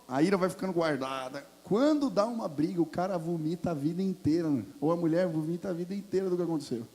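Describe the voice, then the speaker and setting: A Brazilian man preaching a sermon in a church, telling personal stories with sudden loud bursts. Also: high-pitched, big-room sound. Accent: Brazilian Portuguese. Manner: animated, confessional, storytelling with sudden loud peaks. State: hoarse from throat infection. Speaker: pastor. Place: church sanctuary.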